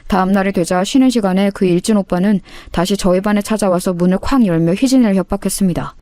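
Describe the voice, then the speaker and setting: A woman narrating a true-life story in a calm, conversational way, with faint music behind. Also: medium pitch, quick pace, dry recording, clean studio sound.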